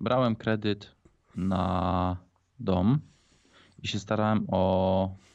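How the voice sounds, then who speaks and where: Over a quiet background, a man with a very deep, low pitch speaks at a very slow pace with fairly even intonation and long, frequent pauses. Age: 30s. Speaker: former emergency dispatcher and paramedic. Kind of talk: casual interview.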